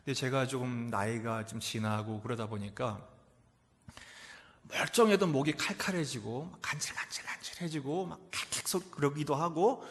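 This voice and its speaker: A middle-aged male pastor preaching a sermon in a church, asking rhetorical questions and answering them, swinging from loud exclamations to near whispers. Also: medium pitch, normal speed. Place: church sanctuary. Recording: echoey church hall reverb.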